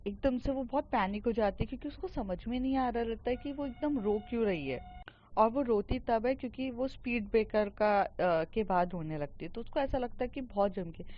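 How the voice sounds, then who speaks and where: A woman's voice: fairly high pitch, normal speed. A woman casually telling a love story aloud in a chatty way, mixing in English words and fillers. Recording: dull lo-fi recording.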